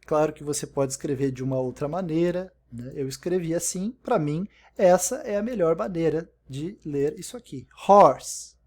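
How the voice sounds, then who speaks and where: A man's voice: on the high side, normal speed, few pauses, dark tone. A man teaching an English lesson in Portuguese, explaining step by step and repeating example words, often checking in with "né?". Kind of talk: recorded online language lesson.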